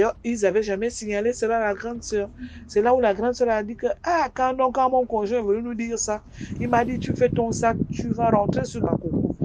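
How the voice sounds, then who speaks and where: A woman's voice: mid-range voice, background noise. A woman recounting her own eerie experience in a rambling, conversational way, with asides and restarts. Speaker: listener sharing a personal story. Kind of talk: spoken personal testimony.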